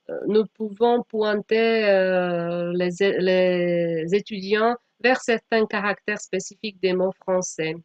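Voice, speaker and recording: A Slovak woman, a non-native speaker whose first language is Slovak, gives an academic presentation haltingly and corrects herself often. Her voice is medium-pitched, and the dry recording has a dull, lo-fi microphone sound.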